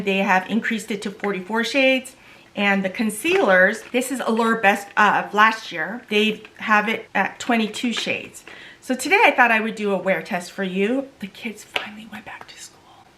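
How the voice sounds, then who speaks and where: A woman's voice: a little high, pushed and bright, slight background noise. A middle-aged woman whose first language is Korean, chatting through a makeup wear test and often hunting for words and starting over. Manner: chatty, loses words and restarts. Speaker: beauty vlogger. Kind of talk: casual makeup tutorial chat.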